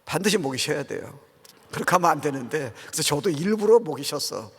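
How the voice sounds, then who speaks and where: A man's voice: a little high, sing-song, fast, vocal fry, fairly bright tone, slightly rough. A middle-aged man preaching a conversational revival sermon as a guest pastor, informal and earnest, often putting questions to the congregation. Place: large church sanctuary, preaching to a congregation. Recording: reverberant church hall sound.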